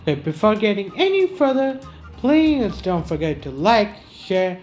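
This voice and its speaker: A gaming YouTuber giving casual gameplay commentary in a halting way, often repeating words as if to themselves. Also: medium pitch, big pitch swings, darkish tone, faint music behind.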